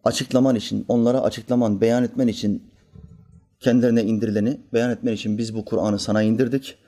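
A man preaching, his voice warm and mellow. He speaks calmly and deliberately, pausing to act out the people in his stories. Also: mid-range voice. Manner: calm and measured, voices characters in anecdotes. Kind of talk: sermon with storytelling.

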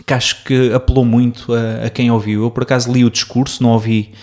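A man's voice: mid-range voice, level tone, fast, darkish tone. A man from the Azores with a European Portuguese accent, chatting casually in a reflective, slightly hesitant way. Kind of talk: casual chat.

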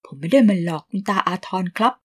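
A woman's voice: mid-range voice, animated, quick pace, natural voice. A woman voicing a polite, playful young man who keeps coaxing an older woman to be his friend. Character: cheeky smiling young man, friendly and persistent.

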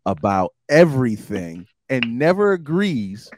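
A man's voice: medium pitch, very animated, unhurried, a loud crowd. A man hosting a casual, profane panel show, with brash teasing and grandiose introductions. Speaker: show host.

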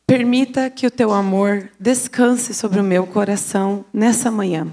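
A woman's voice: mid-range voice, steady tone, measured pace, mellow. A woman interpreting a sermon in a church, following the preacher phrase by phrase. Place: church hall.

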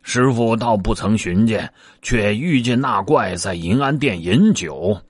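A sly pig disciple coaxes and pleads, stumbling over fillers, as a man voices him. He talks slowly with a husky voice that rises and falls a lot. The recording is dry. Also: on the low side, animated, dry recording. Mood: coaxing. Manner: coaxing, pleading, hesitant fillers.

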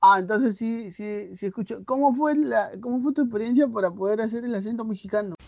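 A man's voice: high-pitched, brisk, gravelly, darkish tone, no room sound. A man from Latin America hosting a podcast interview, asking questions in a curious, easygoing way. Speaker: podcast host. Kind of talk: casual interview. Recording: dry, dull lo-fi recording.

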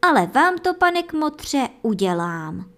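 A woman's voice: sits high, sing-song, pitched above the performer's own voice. A cunning gamekeeper from a folk tale, sly and teasing as he strings his neighbour along, as a woman narrator puts him on. The voice is raised a touch above her own and carries a smug, knowing lilt. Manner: sly, teasing, mock-reluctant.

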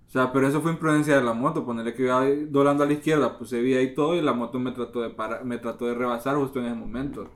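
A young man, a podcast host telling relaxed, slangy stories in casual chat. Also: mid-range voice, rapid-fire, hardly any pauses.

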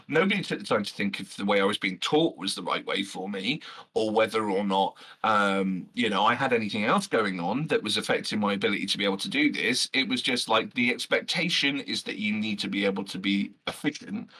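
A man, a loud and brash podcast guest talking passionately with lots of fillers and some swearing. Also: lowish voice, husky. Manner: animated, swears freely, many fillers. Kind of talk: passionate casual chat.

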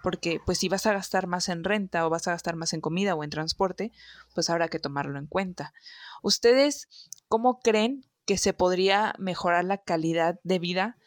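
Podcast host, woman, Mexican accent, low-ish voice, dry sound, loose and chatty. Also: normal speed, no room sound. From Veracruz, Mexico. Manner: chatty, many fillers. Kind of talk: casual chat.

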